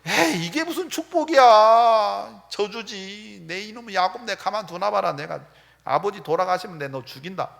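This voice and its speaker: A man's voice: high voice, lively intonation, moderate pace, gravelly, fairly bright tone, full character voice. Man doing a bitter resentful brother. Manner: grumbling, threatening. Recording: echoey hall.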